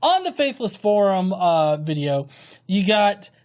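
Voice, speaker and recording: A man's voice: high voice, sing-song, measured pace, smooth. A young man hosting a crude, sarcastic comedy commentary show, reading viewer comments and mocking them. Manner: profane, sarcastic, mocks commenters in silly voices. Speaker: YouTube host reading comments.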